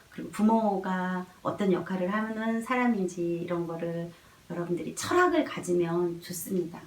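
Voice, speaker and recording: A woman giving an earnest, gently reassuring talk on caring for babies. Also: on the low side. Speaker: parenting educator. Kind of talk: explanatory parenting talk. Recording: echoey room, mic far off.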